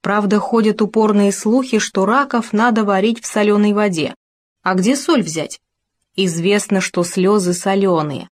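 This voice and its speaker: A woman narrating a children's story in a lively, expressive reading voice. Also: mid-range voice, normal speed.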